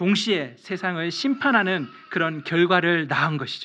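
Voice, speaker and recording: A man with a high pitch, a raised, projected voice, a bright, sharp tone and an animated tone, lively intonation, a fairly slow pace, and a quiet background. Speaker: pastor. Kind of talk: sermon.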